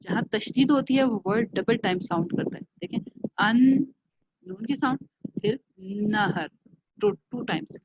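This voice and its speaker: A woman with a Pakistani accent teaching a class online, sounding out words slowly and carefully and repeating them. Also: medium pitch, husky, no echo. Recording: dull lo-fi home recording.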